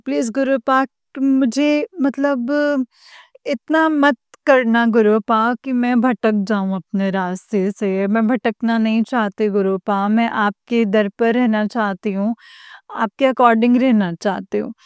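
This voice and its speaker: Talking slowly in a fairly high, steady voice, a woman hosting a devotional channel addresses her guru directly, begging him again and again as tears threaten. The emotional talk to her followers is a clean, dry studio recording.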